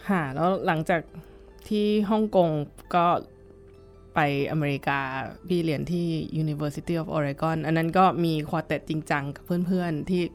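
Middle-aged woman guest, lowish voice, thoughtful and halting, faint music under her. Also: steady tone. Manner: thoughtful, halting, with many fillers and restarts. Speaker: violin teacher and guest. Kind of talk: casual interview chat.

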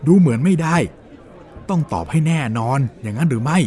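A man's voice: fairly high pitch, animated, fairly quick, a little mellow, some chatter behind, close to an everyday voice. A man playing an insistent defence lawyer in a dramatised courtroom story, questioning in a pressing, pointed way. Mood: stern. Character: insistent male defence lawyer cross-examining a witness.

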